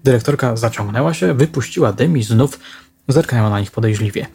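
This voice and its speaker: A man narrating a crime novel audiobook with a steady, even reading. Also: medium pitch, brisk, gravelly, a little hiss or hum.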